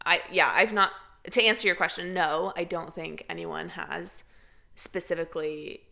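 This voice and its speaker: Chatty American woman with a gravelly voice. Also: on the low side, steady tone, normal speed, bright, forceful tone. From United States. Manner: chatty, laughs easily, many fillers. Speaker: podcast co-host. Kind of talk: casual chat.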